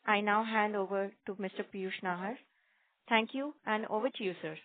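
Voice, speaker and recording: A woman's voice: medium pitch, moderate pace, a crowd in the background. A woman reading a scripted conference call announcement as the operator. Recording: narrow tinny phone line.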